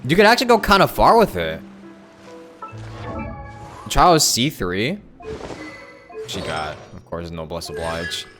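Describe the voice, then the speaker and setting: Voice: low voice, sing-song, measured pace, long pauses. A game streamer chatting casually, musing aloud and reacting to the game. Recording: faint game music behind.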